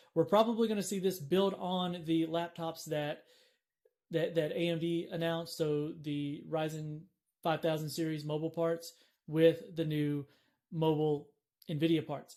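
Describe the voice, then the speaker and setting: At a moderate pace, a man with a Southern US accent speaks in a high, dark, mellow voice with fairly even intonation. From US South. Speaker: tech YouTuber live-streaming. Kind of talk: live stream commentary and chat. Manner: casual, hesitant with fillers.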